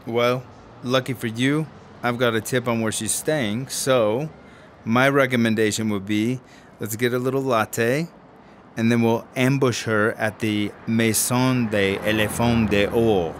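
A man playing a needy, aggrieved, guilt-ridden screenwriter in a radio drama, with an excitable, slangy way of talking. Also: medium pitch, a little hiss or hum, close to an everyday voice. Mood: persuading. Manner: excitable, slangy, halting when upset. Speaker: actor in a serialized radio drama. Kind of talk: naturalistic radio drama acting.

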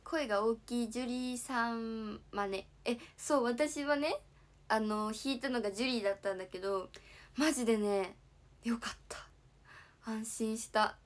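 Young female idol host, lively chatty streamer, slightly high voice, keeps thanking her viewers. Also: normal speed. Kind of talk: casual livestream chat.

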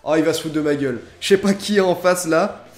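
A young man giving jokey, excitable commentary over an online game he is playing, dropping into low mutters and bursting into loud exclamations. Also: fast talker. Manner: excitable, jokey, swings between mutters and outbursts. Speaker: gaming YouTuber. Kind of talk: let's play commentary. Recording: echoey room with game music behind.

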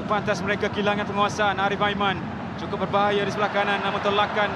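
A man calling a football match, excitable and dramatic, building to shouts at big chances. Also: sits high, quick pace. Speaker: play-by-play commentator. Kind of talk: football commentary. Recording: broadcast with loud stadium crowd. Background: loud crowd noise.

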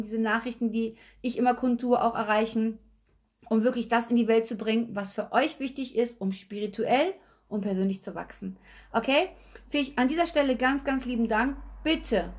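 A woman, slightly hoarse, giving a chatty tarot reading at a table and often checking in with viewers. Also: fairly high pitch. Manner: chatty, repeats okay? and addresses viewers directly. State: slightly hoarse, recovering from illness. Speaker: tarot reader. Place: at a table with cards and a candle, indoors.

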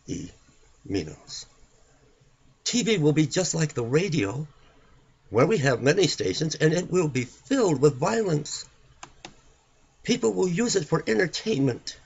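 A man reads religious text aloud in the manner of a preacher. His voice is somewhat high and gravelly, and it rises and falls dramatically. He phrases solemnly and deliberately, leaning hard on words and pausing for emphasis. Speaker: preacher reading a written prophecy aloud.

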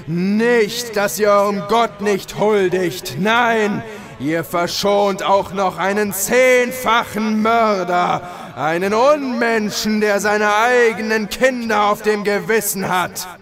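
An actor playing a wrathful, vengeful male god in a horror audio drama, booming and contemptuous. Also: slow. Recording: voice over loud music.

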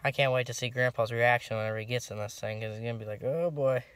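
A young man in casual vlog talk, filming himself on a phone at arm's length in a pickup cab, relaxed and rambling with lots of ums and restarts. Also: mid-range voice, quick pace, clear, resonant tone, no echo. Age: young adult. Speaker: farm vlogger. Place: inside a pickup truck cab and outdoors around it. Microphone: phone held at arm's length.

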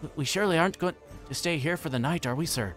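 A man acts a small, homely hobbit servant from a storybook, pitched higher than his usual voice. He sounds humble and anxious, with a plaintive, deferential way of questioning. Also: quick pace, fairly bright tone, soft background music, lightly acted. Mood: anxious, pleading.

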